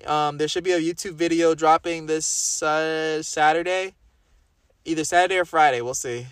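Young man with a slightly raspy voice. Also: fairly high pitch, fairly even intonation, normal speed, fairly bright tone, no room sound, studio quality. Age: young adult. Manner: rambling, slangy, repeats phrases for emphasis. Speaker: podcast host. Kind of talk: casual solo podcast chat.

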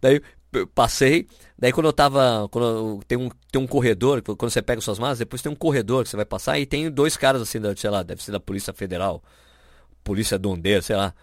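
A man's voice: medium pitch, fairly quick, dry recording, clean studio sound. A man with a Brazilian accent, telling anecdotes in casual chat on a podcast and acting out the people he quotes. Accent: Brazilian Portuguese. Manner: animated, acts out quoted people. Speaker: podcast host.

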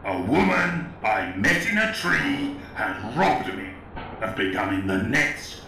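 A man's voice: medium pitch, very animated, slow pace, sharp tone, full character voice. An actor playing a bitter, pompous older writer, narrating his own story in a scornful way in an audio drama. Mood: wry, regretful. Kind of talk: dramatic first-person narration. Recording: very echoey, distant from mic, faint noise.

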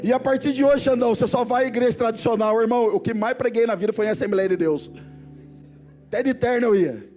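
A Brazilian man preaching in a church, his voice unusually high for a man. He tells stories casually, dropping to quiet asides, then builds to loud exhortation. Soft music plays faintly behind him. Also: quick pace. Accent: Brazilian Portuguese. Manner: storytelling, swings from hushed asides to loud exhortation. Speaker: pastor. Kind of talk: sermon. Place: church hall before a congregation.

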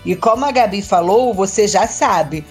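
A woman teacher, explaining a grammar lesson clearly and slowly on a scripted educational podcast. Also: medium pitch, expressive, faint music behind. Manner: slow, clear, didactic.

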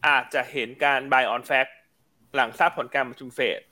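A man's voice: medium pitch, little pitch movement, moderate pace, sharp tone. A man hosting a live stock market talk show, chatty and upbeat, often asking viewers to write in.

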